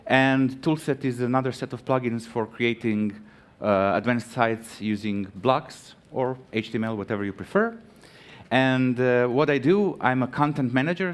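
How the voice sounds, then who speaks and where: Man, from Croatia, thirties, conference talk, halting, lots of fillers, friendly asides, medium pitch. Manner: friendly, chatty asides to audience. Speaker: conference speaker. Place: conference stage.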